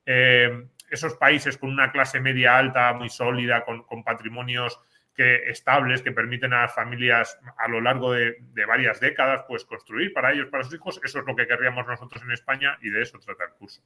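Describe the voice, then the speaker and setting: A man from Spain talks through a course in an earnest, explanatory way, restarting words as he goes. His voice is very bright and sharp. The talk is casual, a panel conversation. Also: medium pitch, little pitch movement, fairly quick. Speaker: course presenter.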